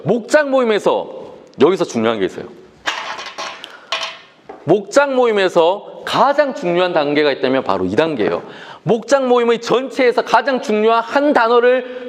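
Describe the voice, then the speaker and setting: A man in his forties, a pastor, preaching to a young adults' discipleship class and asking the audience questions. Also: high voice. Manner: animated, asks the audience questions.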